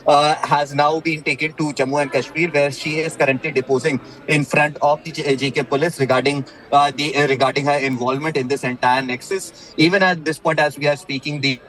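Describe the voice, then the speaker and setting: A man with an Indian accent reporting breaking news live, haltingly, with repeated words and many filled pauses. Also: fairly high pitch, steady tone, a bit bright, poor audio.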